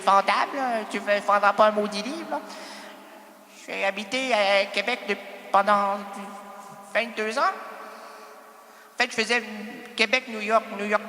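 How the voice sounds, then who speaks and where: A man's voice: high-pitched, fairly even intonation, a little slow, pushed and bright, reverberant, long reverb tail. A man with a Québécois accent improvising a comic stage monologue, rambling, interrupting himself and teasing the audience. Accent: Québécois French. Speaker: improv performer and host.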